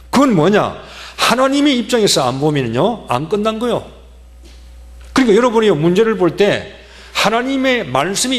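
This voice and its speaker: A male pastor preaching an emphatic sermon and leading his congregation in call-and-response chants. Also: high-pitched. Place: church sanctuary. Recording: church hall reverb.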